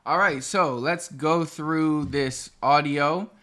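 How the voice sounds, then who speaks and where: A man's voice: fairly high pitch, takes it slowly, heavy background noise. Chatty man explaining a Spanish lesson. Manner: chatty, digressive, restarts phrases. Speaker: Spanish teacher and channel host. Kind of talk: explaining a language lesson to camera.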